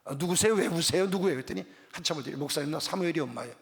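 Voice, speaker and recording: A man's voice: fairly high pitch, very fast. A middle-aged man preaching a revival sermon as pastor, telling stories and acting out the dialogue. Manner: animated storytelling, acts out dialogue. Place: church sanctuary. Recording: reverberant church hall.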